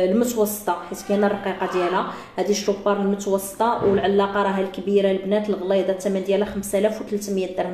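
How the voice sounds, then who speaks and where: A woman with a Moroccan Arabic accent, chatting through a live sales pitch for jewelry to her female viewers. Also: darkish tone, roomy sound, a little hiss or hum. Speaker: jewelry seller.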